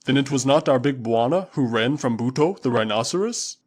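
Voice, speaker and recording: A man's voice: mid-range voice, lively intonation, brisk, natural voice. A male audiobook reader voicing a proud, loyal tribal warrior who speaks emphatically and respectfully to his master. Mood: earnest. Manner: emphatic, earnest, deferential. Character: proud loyal African tribesman, warrior servant.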